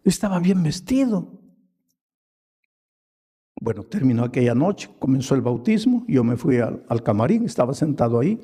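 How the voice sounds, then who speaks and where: A man preaching a sermon, telling a story dramatically with sudden leaps in pitch. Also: big pitch swings, normal speed, pauses often, warm tone, breathy edge.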